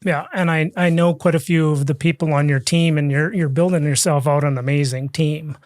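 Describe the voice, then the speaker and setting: A man hosting an interview, chatty and halting, often restarting his sentences. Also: on the high side, steady tone, dry recording, clean studio sound. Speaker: podcast host. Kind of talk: interview conversation.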